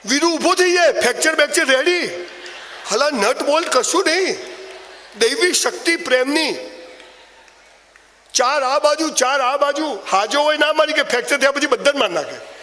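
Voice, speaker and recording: A man delivers a motivational speech, spinning comic stories with mocking asides. His voice sits high for a man. It rings out with a long hall reverb. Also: normal speed, pauses often, slight background noise. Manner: animated storytelling with mocking asides. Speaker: motivational speaker.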